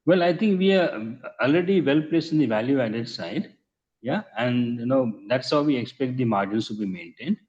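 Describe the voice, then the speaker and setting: An Indian man answering investor questions as a company executive on an earnings call, in measured, hesitant phrasing with repeated words. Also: medium pitch, expressive, darkish tone, slightly rough. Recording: muffled conference call audio.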